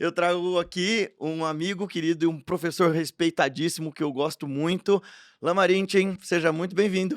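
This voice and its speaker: Energetic in tone, a man speaks at a high pitch and moderate pace on a very clean recording with a silent background, the sound dry and close with no echo. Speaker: podcast host. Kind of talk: interview.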